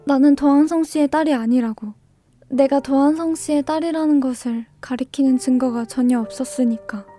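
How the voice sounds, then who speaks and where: Woman playing troubled female student narrator, radio mystery. High, mellow voice over music. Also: close to an everyday voice. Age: young adult. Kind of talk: audio drama acting with inner monologue.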